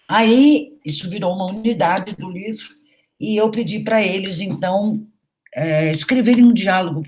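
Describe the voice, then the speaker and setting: A middle-aged university professor with a deep voice delivers a recorded lecture. She teaches through anecdotes and stories, often adding conversational tags.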